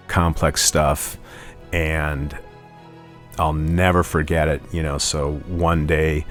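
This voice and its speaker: A man's voice: rumbling low, fairly bright tone. A man guest in a casual interview, telling stories about his life as a musician, rambling with many restarts and "you know"s.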